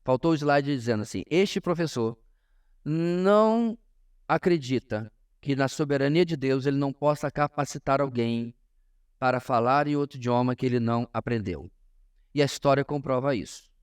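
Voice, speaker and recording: A man with a Brazilian Portuguese accent teaches a church class as a pastor, in an informal sermon style, emphatic and often pausing to address his listeners directly. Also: mid-range voice, clear, resonant tone. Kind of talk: informal sermon-like lesson to a congregation.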